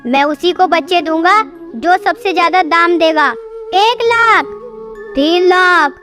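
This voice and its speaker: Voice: extremely high pitch, takes it slowly. Voice actor doing a cackling greedy merchant bird. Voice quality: harsh mocking laugh. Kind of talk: storybook cartoon voice acting. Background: music.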